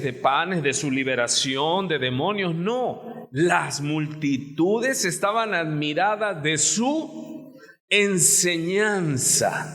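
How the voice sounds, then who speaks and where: A man's voice: high-pitched, a bit bright. A male pastor with a Mexican Spanish accent preaching a sermon in a church sanctuary, often asking the congregation rhetorical questions. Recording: long church reverb.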